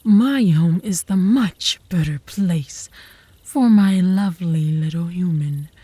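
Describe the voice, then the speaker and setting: A woman's voice: fairly low pitch, slow pace, dark tone, slightly rough, no echo. A woman playing a cocky, possessive young female werewolf who taunts her rival smugly in a comedic ASMR roleplay. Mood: smug, taunting. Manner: smug, taunting.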